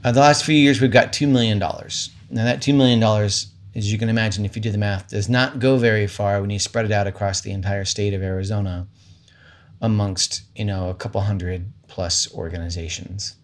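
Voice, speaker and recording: A man's voice: fairly low pitch, steady tone, a little fast. A man who works as an arts lobbyist, explaining things in a casual way. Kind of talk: interview soundbite.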